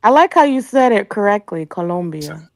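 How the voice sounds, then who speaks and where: A woman's voice: mid-range voice, sing-song, moderate pace, no room sound, clean studio sound. A woman chatting bluntly and frankly on a live video call panel. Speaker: panel guest. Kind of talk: casual group chat.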